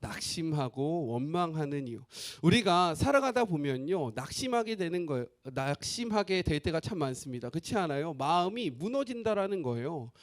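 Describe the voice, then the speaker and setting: A male pastor preaching a sermon in a lively, animated way, with a voice that sits high for a man. His pitch rises and falls widely as he puts questions to the congregation. He talks directly to the listeners and draws them in. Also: normal speed, few pauses.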